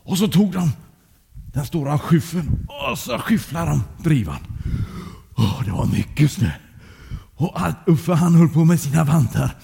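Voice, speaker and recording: A man telling a children's story aloud in a lively way, speaking directly to young listeners. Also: a little high, vocal fry, breathy edge, big-room sound.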